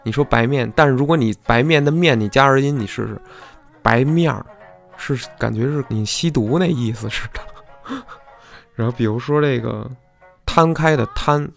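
Over soft background music, a podcast host with a creaky, mid-range voice explains things at a moderate pace. He keeps his monologue chatty and folksy, frequently checking in with listeners by asking "right?"

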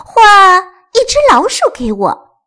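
A woman's voice: extremely high pitch, sing-song, slow pace, sharp tone, pitched above the performer's own voice, exaggerated voice. A woman voicing a whiny little black-and-white cat in a children's storybook, pleading and squealing.

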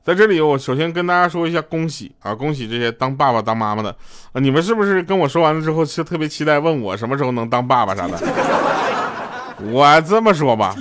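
A man's voice: fairly high pitch, lively intonation, fast talker, fairly bright tone, slight background noise. A man hosting a comedic radio show, telling jokes in a loose, rambling way and chuckling at his own punchlines. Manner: joking storyteller, chuckles between punchlines; loose, stumbling restarts.

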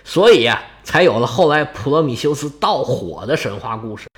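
Male storyteller, lively and colloquial, humorous myth-telling, expressive swings. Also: medium pitch, normal speed. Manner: colloquial, lively, jokey asides.

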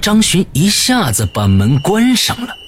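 A man reading a horror story as the narrator, slow and suspenseful, with dramatic pauses. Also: high-pitched, wildly swooping pitch, a little hiss or hum.

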